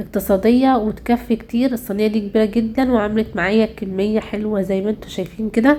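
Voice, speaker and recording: At a moderate pace, a woman talks with a fairly high pitch. Her intonation is monotone and flat. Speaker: cooking channel host. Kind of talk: cooking tutorial voiceover. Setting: voiceover narration.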